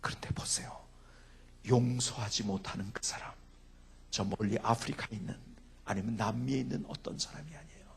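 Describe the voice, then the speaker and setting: A middle-aged man preaching at a revival meeting, telling a personal story and swinging from hushed whispers to loud, impassioned cries. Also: mid-range voice, brisk, gravelly, slightly rough. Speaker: pastor. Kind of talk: revival sermon.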